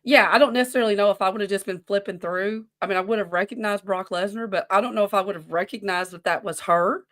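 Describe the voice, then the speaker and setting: A woman's voice: mid-range voice, fast talker, hardly any pauses, a bit bright. A woman in her forties co-hosts a casual talk show. She speaks in a loose, rambling way and often wanders away from her point. The delivery is conversational and unscripted. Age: 40s. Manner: rambling, easily sidetracked. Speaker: podcast co-host running a wrestling quiz. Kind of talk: casual chat.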